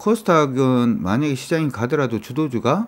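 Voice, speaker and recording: A man's voice with very wide pitch swings. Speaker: stock market analyst. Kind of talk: market wrap-up broadcast. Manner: conversational with frequent fillers.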